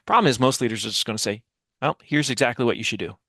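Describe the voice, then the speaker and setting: A communication expert and author in his forties, appearing as an interview guest, explains ideas fast in a medium-pitched, slightly bright voice. He speaks emphatically, full of rhetorical questions, and acts out example dialogue. The clean, dry studio-like sound comes from a headset mic on a video call.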